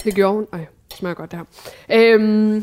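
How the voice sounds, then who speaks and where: A woman speaks in a plain, everyday voice with a fairly high pitch. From Denmark, Afghan family. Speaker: debater and author. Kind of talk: casual chat over a meal.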